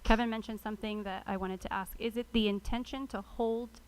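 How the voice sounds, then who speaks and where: An American woman speaks as a city council member in a public meeting. Her pitch sits in the middle range, and she words her remarks deliberately into a meeting microphone. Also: steady tone.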